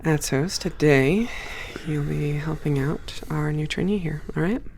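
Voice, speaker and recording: A woman's voice: sits low, measured pace, vocal fry, a little mellow, a little hiss or hum. A woman playing a strict but kind naga hangar boss, courteous and encouraging, in an ASMR audio drama. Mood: brisk, instructing. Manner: composed, courteous, encouraging, managerial.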